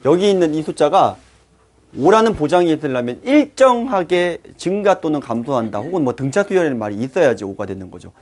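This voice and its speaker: A man teaching math with a rather high, animated voice that swings up and down. He explains the topic to other teachers and breaks into his students' voices along the way. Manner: lively, acts out students' voices. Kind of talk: lecture to fellow teachers. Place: classroom.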